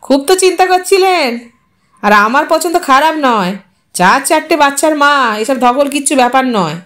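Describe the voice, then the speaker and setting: A man's voice: very high voice, lively intonation, normal speed, sharp tone, heavily acted. A woman voicing a pushy, jovial male agency owner who reassures people boastfully.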